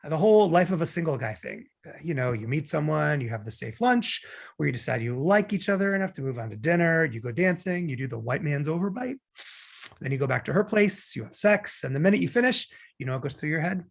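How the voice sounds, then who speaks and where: Romantic comedy lead, man acting: glib, argumentative young man, husky fry-laden voice, very lively delivery. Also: on the high side, quick pace. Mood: opinionated, cynical. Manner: glib, opinionated, rambling justifications. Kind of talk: table read of romantic comedy script.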